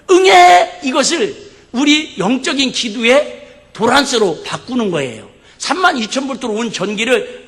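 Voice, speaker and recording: An animated male pastor preaching with sharp, bright energy, joking back and forth with his congregation and breaking into shouts. His high, lively voice rings through a reverberant church sanctuary. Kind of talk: sermon. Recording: echoey church hall.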